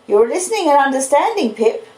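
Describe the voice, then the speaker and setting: A woman's voice: high-pitched, sing-song, a little fast, a little mellow, echoey room, voice pushed up. A woman voicing a simple, kindly male blacksmith who tells things in an earnest, meandering way with rustic dialect. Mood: earnest, reflective.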